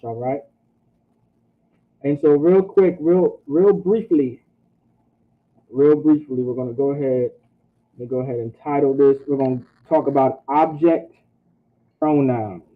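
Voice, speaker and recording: A man teaching an online language class, repeating phrases and checking in with "all right?". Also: mid-range voice. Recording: tinny phone-like audio.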